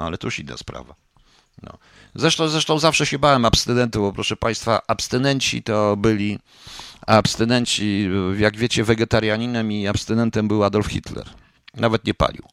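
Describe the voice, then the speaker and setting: A man's voice: medium pitch, a bit bright, dry recording, clean studio sound. Combative man grilling his live chat. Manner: combative, repeats pointed questions, swears. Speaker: online radio host reading a live chat. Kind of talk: casual live broadcast talk answering chat comments.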